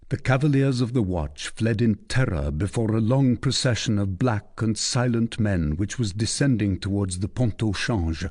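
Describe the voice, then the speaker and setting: A man narrating a classic novel as an audiobook, in a measured, expressive storytelling manner. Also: lowish voice, husky.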